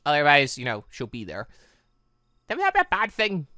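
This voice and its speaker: A man's voice: on the high side, wildly swooping pitch, brisk, pushed and bright, dry recording, studio quality. A man giving casual, rambling let's-play commentary on a visual novel, chatting and reading dialogue aloud as the channel's host.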